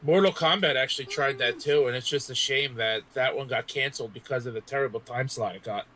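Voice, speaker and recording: A man's voice: medium pitch, a little fast, sharp tone, low-quality recording. A man chatting casually in a panel discussion.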